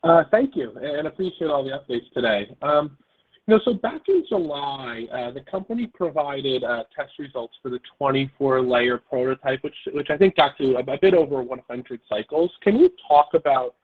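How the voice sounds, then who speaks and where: A man's voice: mid-range voice, animated, moderate pace, husky. A man calling in as an analyst to ask a question, hesitating with frequent you-knows. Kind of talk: asking a question on an earnings call. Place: phone call. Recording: narrow phone line.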